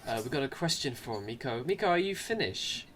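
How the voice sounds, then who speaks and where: A man's voice: mid-range voice, sing-song, fairly quick, fairly bright tone, a little hiss or hum. Man dryly reading out viewer questions. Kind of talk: casual live-stream chat.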